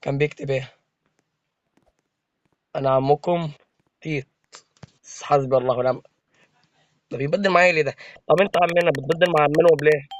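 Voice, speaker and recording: Fast-talking Egyptian man gaming. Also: on the high side, no room sound. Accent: Egyptian Arabic. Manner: exasperated, joking complaints to viewers. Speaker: gaming video creator. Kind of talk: live gameplay commentary.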